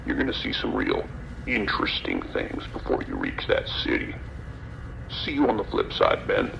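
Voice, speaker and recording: A man playing an eerie, morbidly fascinated trucker in a horror audio drama, savoring each phrase with slow, unhinged calm over a muffled CB radio. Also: a bass voice, gravelly, heavily acted. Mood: sly, ominous. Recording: muffled CB radio with faint noise.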